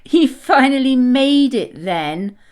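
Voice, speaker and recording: A woman's voice: high-pitched, animated, takes it slowly, darkish tone, pitched above the performer's own voice. A woman voicing a bold, fibbing young girl caterpillar in a children's storybook, breezy and playful.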